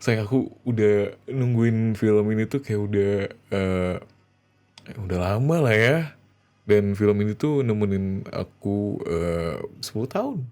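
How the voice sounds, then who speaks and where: A man performing an ASMR roleplay as an affectionate, excitable husband talking to his wife, with expressive, hesitant delivery. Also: on the low side, measured pace.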